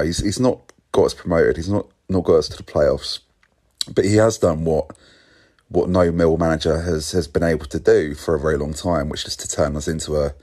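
A man leaving a casual voicemail for a podcast, giving his opinion in a measured, hesitant and reflective way. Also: extremely low pitch, a little mellow.

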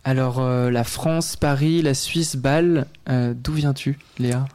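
Un homme animateur de radio, qui présente son invitée sur un ton posé d'annonceur puis discute avec elle. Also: male voice, medium pitch, fairly even intonation, unhurried, a little mellow. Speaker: radio show host. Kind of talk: radio interview, scripted intro then casual chat. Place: radio studio.

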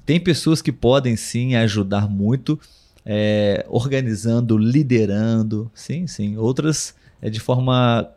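A man with a Brazilian Portuguese accent hosting a live podcast conversation, talking slowly and thoughtfully with many pauses and fillers. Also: mid-range voice, a little mellow. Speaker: podcast host.

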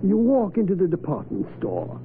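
Creaky, high-pitched old schemer. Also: male voice, huge pitch swings, moderate pace, exaggerated voice. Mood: instructing, sly. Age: older. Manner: hesitant stammer, repeats words, coaxing. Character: scheming old candy-store man running a swindle. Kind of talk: 1940s radio drama acting. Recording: tinny, hissy old radio broadcast.

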